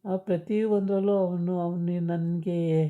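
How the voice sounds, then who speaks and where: A woman's voice: lowish voice, steady tone, takes it slowly, dark tone, lo-fi sound. A woman voicing a tearful young wife full of regret, quoted in a casual retelling of a story. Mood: regretful.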